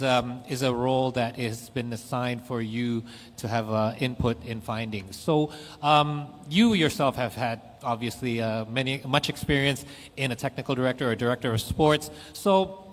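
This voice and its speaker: Man moderating in an echoey hall. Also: mid-range voice. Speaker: interviewer and interpreter at a press event. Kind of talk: bilingual moderated interview. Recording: echoey hall with long reverb.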